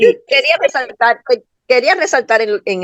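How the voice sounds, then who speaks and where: The audio is dry and close-miked, without any echo. The speaker is a woman. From Cuba. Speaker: writer. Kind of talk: interview answer.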